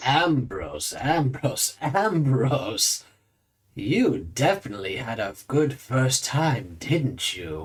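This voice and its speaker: Put-on character voice from a man, delivered at a very slow pace. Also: medium pitch for a man. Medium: actual play. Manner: teasing, coolly menacing.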